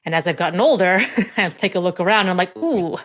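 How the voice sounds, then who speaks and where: A middle-aged woman speaks as an interview guest, her voice sitting a little low for a woman. She talks in a friendly, reflective way, laughing easily and restarting a phrase now and then. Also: lively intonation, fast talker, a bit bright. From born in South Korea, raised in the United States. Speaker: guest, executive leadership coach. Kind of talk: casual interview conversation.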